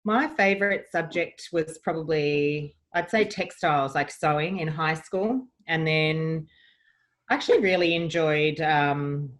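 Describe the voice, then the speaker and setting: Speaking low-pitched and unhurried, an Australian podcast guest in her forties chats casually about her childhood. She comes across as upbeat, talkative and given to reminiscing.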